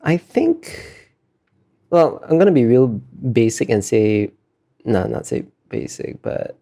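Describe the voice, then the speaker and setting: A man's voice: mid-range voice, sing-song, takes it slowly, gravelly, mellow. A man being interviewed as an artist, talking casually and thoughtfully, often hesitating as he searches for words. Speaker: interview guest, concept artist.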